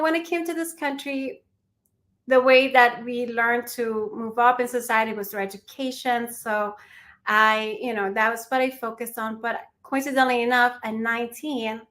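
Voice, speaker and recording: Young woman from Peru, mindfulness teacher guest, bright-ish higher voice, thoughtful and sincere. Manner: earnest, reflective, with restarts and small laughs. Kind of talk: conversational interview answers.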